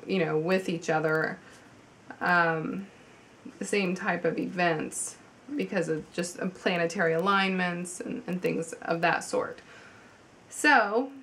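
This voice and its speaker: A woman with a slight cold reading tarot at home in a chatty, halting way, with many ums and restarts. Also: on the low side, fairly bright tone, slight background noise. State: has a cold, slightly congested. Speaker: tarot reader. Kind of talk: casual video tarot reading.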